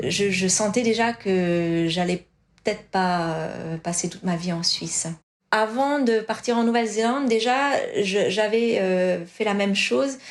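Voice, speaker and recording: A woman at medium pitch, fairly slow pace and ordinary pitch variation. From Switzerland, near Zurich (Swiss German area). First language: Swiss German (speaking French). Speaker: expatriate interviewee. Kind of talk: interview. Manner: hesitant, many fillers.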